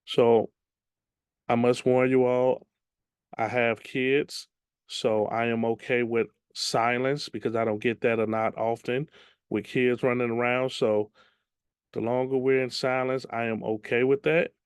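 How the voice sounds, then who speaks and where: Man, real estate trainer, slightly raspy voice, chatty, lots of ums, dry close sound. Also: medium pitch, measured pace, dry recording. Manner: relaxed, chatty, many ums. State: slightly raspy from much teaching. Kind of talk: online class instruction. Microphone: video call.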